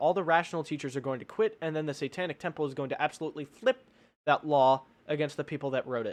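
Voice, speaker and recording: A man speaks at a very fast pace in an animated tone. His voice is fairly high, with a dry, close sound and no echo. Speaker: gaming streamer. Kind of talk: livestream rant. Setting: livestream. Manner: loud.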